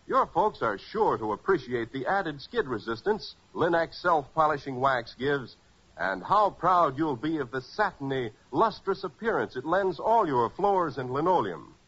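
A male American announcer in the dramatic style of 1940s radio. His voice is bright and forceful, pitched fairly high, with big swoops of emphasis. The old recording sounds muffled. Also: slightly rough. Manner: dramatic, emphatic, polished salesmanship.

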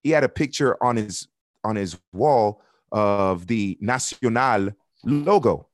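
A man's voice: lowish voice, lively intonation, slow, no room sound. A man from Miami, a soccer broadcaster speaking as a podcast guest, candid and earnest, building his points through repetition. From Miami, United States. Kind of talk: podcast interview.

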